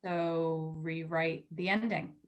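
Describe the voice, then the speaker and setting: A woman's voice: low-pitched, fairly even intonation, takes it slowly, muffled recording. A woman acting in a play reading as a blunt, wry magazine editor who is a loyal, teasing friend. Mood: firm, encouraging.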